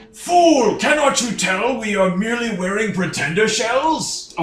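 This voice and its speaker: A man puts on a character voice at a high pitch. He speaks at a moderate pace with a slight echo. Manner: scolding, mock-imperious.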